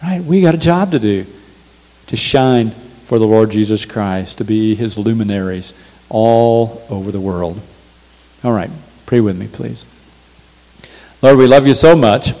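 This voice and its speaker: A man's voice: lowish voice, unhurried, long pauses, warm tone, long reverb tail, poor audio. A male pastor preaching a sermon in a church, emphatic and repeating his key phrases. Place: church sanctuary.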